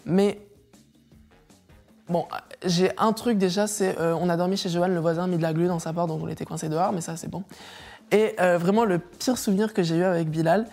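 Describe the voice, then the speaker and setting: Lively young woman telling anecdotes. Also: fairly low pitch, a little fast, soft background music. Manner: animated storyteller, laughs often, acts out quotes. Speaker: guest. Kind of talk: casual interview chat.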